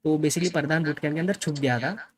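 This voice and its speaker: A young man with a slightly higher voice speaks straight to his viewers in a casual way. His talk is emphatic and insistent, switching into English phrases mid-sentence. He keeps coming back to "okay" to push his point. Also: fairly quick. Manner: mixes Hindi with English phrases. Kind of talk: casual spoken account to viewers.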